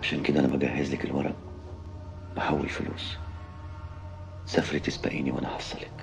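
A very deep Egyptian male voice, full of gravel, as a brooding, worried husband in a TV drama. He murmurs haltingly, with faint music underneath. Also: fairly even intonation. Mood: worried, subdued. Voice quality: low, gravelly, breathy at times. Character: brooding, worried man confiding in his wife. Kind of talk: naturalistic screen drama acting.

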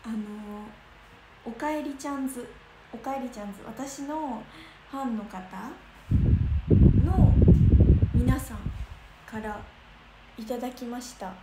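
A bubbly young woman from Kansai chats to her viewers, her voice sitting a little high. She rambles with lots of fillers and reads out comments. The room sounds echoey, with a clear hiss of noise behind her. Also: slow, pauses often. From Kansai region of Japan. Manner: chatty, bubbly, thinks aloud with many fillers. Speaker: idol livestreamer. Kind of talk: casual livestream chat reading comments.

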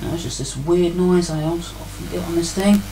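A man's voice: fairly high pitch, steady tone, fairly quick, mellow, slight background noise, poor audio. A man casually narrating a radio-building demo at his indoor workbench, grumpy and sarcastic in tone.

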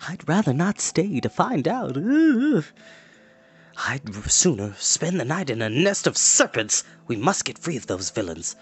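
Man playing a high, fretful, florid bard. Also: sing-song, unhurried, breathy edge, soft background music, heavily acted. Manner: theatrical, nervous, wordy.

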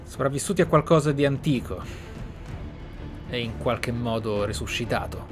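A man from Italy giving reflective roleplay commentary on a game as a streamer, with dramatic pauses. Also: mid-range voice, over music. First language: Italian. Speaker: streamer, let's player.

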